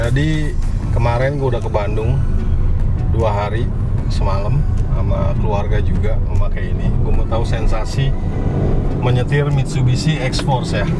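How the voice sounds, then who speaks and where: A man talks at a moderate tempo, pausing long and often, while music plays behind him. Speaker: car reviewer host. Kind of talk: commentary. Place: car. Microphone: lapel.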